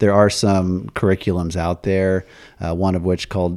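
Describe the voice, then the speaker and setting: A man's very deep, low voice with a dark, mellow tone and a Midwestern American accent, at a fairly quick pace with fairly even intonation. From Kansas, Wichita. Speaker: chef and culinary instructor. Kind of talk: interview. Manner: halting.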